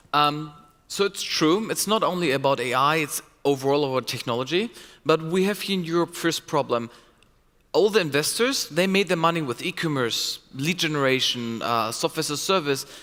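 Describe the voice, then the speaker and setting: A man with a German accent and a bright, sharp tone, fairly high pitch, ordinary pitch variation and a moderate pace, on a very clean recording with a silent background. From Germany. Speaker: venture capital investor. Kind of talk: conference Q&A answer. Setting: conference stage with audience.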